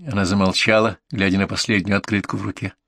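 A man reading a story aloud in a measured, even way. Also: fairly low pitch, creaky. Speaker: audiobook narrator. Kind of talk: scripted narration.

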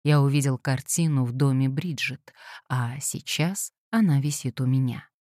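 A woman with a low, mellow voice reads a classic story aloud at a measured pace. Her delivery is even and composed, and the recording is close and dry. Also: no room sound. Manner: measured, even literary reading. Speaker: audiobook reader. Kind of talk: scripted audiobook narration.

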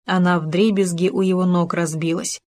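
A woman narrating a children's story in a calm, even storytelling manner. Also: lowish voice, moderate pace. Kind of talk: audiobook story reading.

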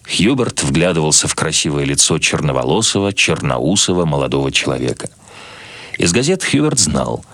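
Very deep-voiced man narrating literary prose. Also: a bit bright, dry recording. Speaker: narrator, reader.

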